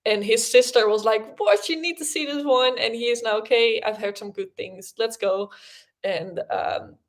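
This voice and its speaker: A woman's voice: on the high side, moderate pace. A young woman whose first language is Dutch, chatting casually and rambling with many fillers as host of a livestream podcast.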